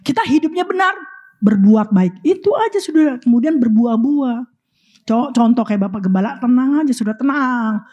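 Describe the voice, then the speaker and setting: Brief: woman preacher, fairly high voice, sermon in church, chatty and direct with the congregation. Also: lively intonation, moderate pace, dark tone.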